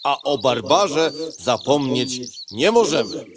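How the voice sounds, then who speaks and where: An actor voicing a pompous, speechifying retired cavalry captain beetle who is running for mayor in a cartoon. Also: male voice, mid-range voice, sing-song, slow pace, noisy background. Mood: solemn. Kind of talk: cartoon voice acting.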